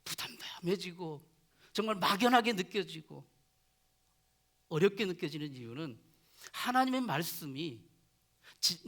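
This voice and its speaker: A male pastor preaching a sermon in earnest, often letting his voice fall soft at the ends of phrases. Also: fairly high pitch. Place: church chapel.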